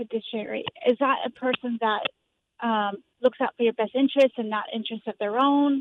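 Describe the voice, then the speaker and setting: A woman with an ordinary speaking voice talks at a fairly quick pace, fairly high in pitch, with fairly even intonation. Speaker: caller. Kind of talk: phone-in question to radio show. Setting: phone call.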